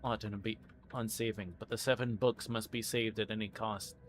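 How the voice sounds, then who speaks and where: A man's voice: fairly low pitch, steady tone, moderate pace, soft background music. A man playing a video game as a streamer, reading its text aloud and commenting.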